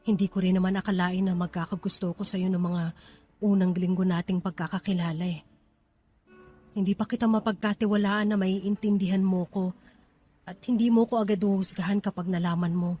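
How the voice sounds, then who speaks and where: A woman's voice: medium pitch, darkish tone, lightly acted. A woman playing a guarded, hurt young KTV hostess in a radio romance drama, speaking in an emotional, pleading manner.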